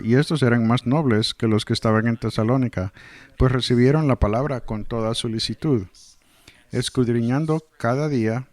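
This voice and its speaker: A man's voice: medium pitch, no room sound. A man delivering a verse-by-verse sermon in translation, earnestly reading scripture and explaining it. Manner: earnest, explanatory, reads scripture then comments. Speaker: Spanish translator of a pastor's sermon.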